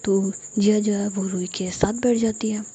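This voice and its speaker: A young woman narrating a story casually in a soft, hushed, half-whispered way. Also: mid-range voice, steady tone, normal speed, breathy edge.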